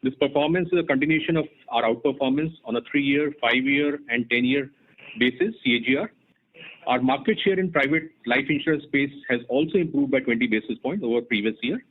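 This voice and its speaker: A man with an Indian accent, formally reading a company results presentation in a measured, businesslike way as an executive. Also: mid-range voice. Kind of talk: scripted earnings call presentation. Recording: muffled narrowband phone conference line.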